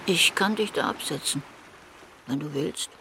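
A female shark in a naturalistic radio play. Her voice is low and full of gravelly creak, her manner laconic and deadpan but caring. Faint water sounds lie behind her. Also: measured pace. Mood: deadpan, sympathetic. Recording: faint watery background noise, boat-like ambience. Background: lapping water and sea ambience.

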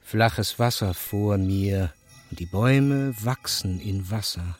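Solemn poet-chronicler, slow pace, incantatory, declamatory verse, radio drama, prominent music. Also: male voice, on the low side. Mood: incantatory, reverent. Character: grave male poet-chronicler of war and myth. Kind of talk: dramatic poetry recitation in an avant-garde radio play.

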